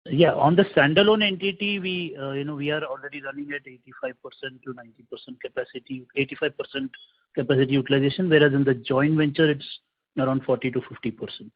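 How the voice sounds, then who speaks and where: A husky man talks quickly over a dull call line. He sounds like an executive handing out short, factual business answers. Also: medium pitch, fairly even intonation. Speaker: company executive.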